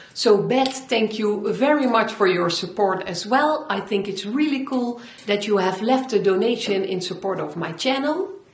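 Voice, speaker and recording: A woman with a Dutch accent at a moderate pace, ordinary pitch variation, noticeable background noise and audible room echo. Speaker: metalsmithing YouTuber. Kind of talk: casual Q&A video. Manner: halting, searching for words.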